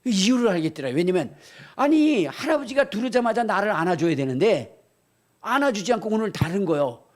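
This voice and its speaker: An older male pastor preaching a sermon, telling a homely story and then building up to shouted appeals. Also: high-pitched, brisk. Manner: animated, swings from quiet storytelling to shouting.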